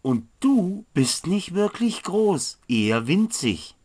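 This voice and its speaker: A man's voice: high-pitched, sing-song, slow pace, darkish tone, slightly rough, voice pushed up, heavily acted. A man playing a clumsy, easily annoyed, sturdy wizard's apprentice who hesitates and stammers in a fantasy audio story. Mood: grumpy. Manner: hesitant, stammering with filler sounds.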